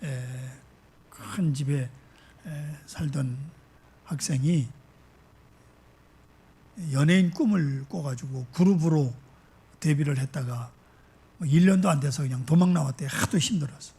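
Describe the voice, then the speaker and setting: A male pastor delivering a slow, emphatic sermon to his congregation, asking rhetorical questions. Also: on the high side, warm tone, husky.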